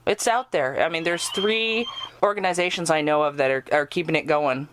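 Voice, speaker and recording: A woman's voice: deep voice, normal speed, fairly bright tone, a little hiss or hum. A woman in a casual interview, chatting away as a storyteller who acts out the lines she quotes. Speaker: radio drama writer being interviewed. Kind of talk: casual interview chat with anecdotes.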